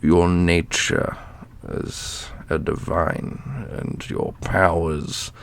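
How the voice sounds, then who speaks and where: A man playing an ancient divine grand master, a solemn exiled leader who speaks formally and deliberately in a fantasy audio roleplay. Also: low-pitched, steady tone, gravelly, full character voice. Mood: grave, thoughtful.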